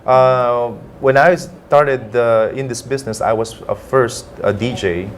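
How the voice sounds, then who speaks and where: A man with a Filipino accent, a voice actor guest on TV, explaining things in a measured way. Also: mid-range voice, a little hiss or hum. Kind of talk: TV interview.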